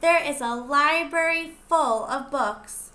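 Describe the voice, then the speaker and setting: A woman voicing a kind, cheerful female kindergarten teacher in a children's storybook, reading gently. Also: high-pitched, slow, exaggerated voice.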